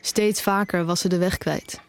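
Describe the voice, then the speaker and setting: A woman's voice: on the low side, fairly even intonation, moderate pace, faint music behind, natural voice. An actress playing a troubled young woman who narrates her own story reflectively in an audio drama. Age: young adult. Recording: clearly noisy background.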